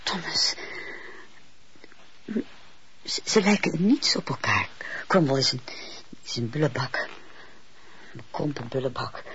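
An actress playing a tender, earnest, fearful wife in a radio play, pleading in a halting, breathy way. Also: female voice, very deep voice, expressive, fairly bright tone, full character voice. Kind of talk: Dutch radio play acting. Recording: dull, noisy old radio play tape.

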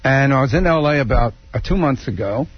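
A man's voice: mid-range voice, expressive, brisk, husky, no room sound. A middle-aged man, a guest comedian, chatting on a radio show in a rambling, stammering way, often repeating himself. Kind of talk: casual radio chat. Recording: dull lo-fi radio audio.

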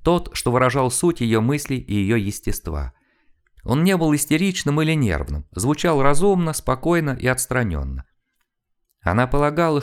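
Guy reading a novel aloud, measured, very lively melody. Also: mid-range voice. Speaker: audiobook narrator. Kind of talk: scripted literary narration.

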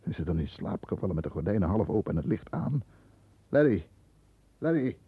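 A very low, husky male voice as a calculating, guilt-ridden lawyer narrating a radio thriller. He speaks deliberately and haltingly under strain. The old radio recording is dull and lo-fi. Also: big pitch swings, dry recording, exaggerated voice. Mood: tense, watchful, then alarmed calling. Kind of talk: 1960s Dutch radio drama monologue, present-tense narration.

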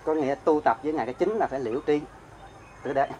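In a racing dharma talk, a Buddhist monk quizzes his listeners and supplies the answers, breaks down terms step by step and recites verse. His voice is mid-range and warm. A little hiss or hum can be heard.

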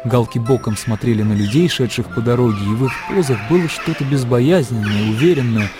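Calm male narrator over music. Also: medium pitch. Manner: calm, measured storytelling. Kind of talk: radio drama narration.

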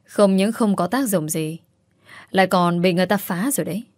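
Lady reading as a scheming young wife faking madness, cold and calculating, lowish voice, dry sound. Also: brisk, dry recording, natural voice.

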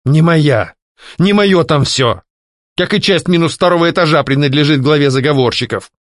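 A man voicing a jealous, petulant male ghost who shouts and pleads. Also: a little high, normal speed, no room sound, studio quality, pitched above the performer's own voice, natural voice. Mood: sulky. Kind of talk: audiobook character voicing.

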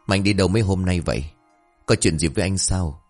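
A man voicing a gentle young village woman who scolds her wayward older brother in an exasperated, quick manner. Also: deep voice, soft background music. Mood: exasperated scolding.

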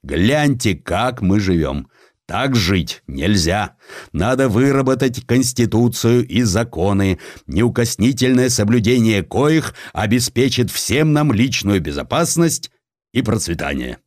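Guy acting a burly bossy russian ringleader, low voice, swinging pitch, forceful speechmaking for an audiobook. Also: animated, measured pace, no echo, studio quality. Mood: stern, commanding. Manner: forceful, commanding, oratorical. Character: burly domineering Russian adventurer, rough ringleader haranguing a crowd.

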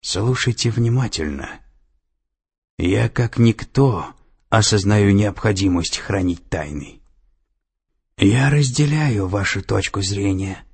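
A man's voice: lowish voice, lively intonation, slow pace, creaky, slightly rough, voice pushed up, full character voice. A man voicing a cold, domineering female security director, with an icy, commanding and menacing manner. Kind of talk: audiobook character voice.

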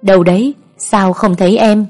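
A woman voicing a protective older brother who talks in a brisk, scolding way, in a storybook reading. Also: medium pitch, steady tone, warm tone, soft background music, lightly acted.

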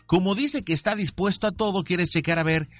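A man's voice: sits high, fairly bright tone, no room sound. A man with a Mexican accent hosting a radio prank show, joking and slangy. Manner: joking, slangy, quick questions. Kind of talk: casual radio chat.

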